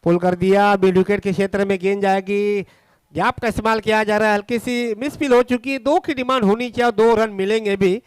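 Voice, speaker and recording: An Indian man giving excited live ball-by-ball cricket commentary, often repeating the score. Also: sits high, a little fast, clean tone, no echo.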